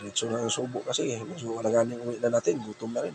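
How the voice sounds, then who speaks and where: A man talking at a very fast pace amid noticeable background noise. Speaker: vlogger. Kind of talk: eating vlog, casual talk to viewers. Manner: mouth full, eating while talking.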